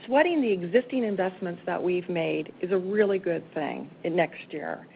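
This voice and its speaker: On an earnings conference call, a woman executive gives emphatic, businesslike answers. Her fairly low voice is creaky, with lively intonation at a normal speed, carried over a narrowband phone line with faint noise.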